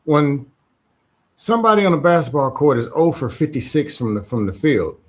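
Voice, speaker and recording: A man's voice: fairly high pitch, sing-song, moderate pace. A man co-hosting a podcast over a glitchy video call, speaking bluntly and dismissively in short clipped phrases. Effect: video call audio that drops and freezes. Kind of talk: casual heated debate. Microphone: remote video call.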